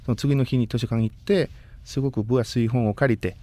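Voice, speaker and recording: Mellow-voiced man speaking a learned language. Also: mid-range voice, fairly even intonation. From Costa Rica. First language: Spanish. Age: 30s. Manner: polite, measured, pausing often to find words. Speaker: guest. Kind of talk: casual interview.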